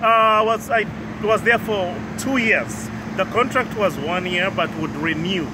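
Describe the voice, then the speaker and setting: A man's voice: sits high, a little slow, noisy background. A man in his thirties from Uganda, a guest in a casual interview, who speaks hesitantly with many ums and restarts. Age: 30s.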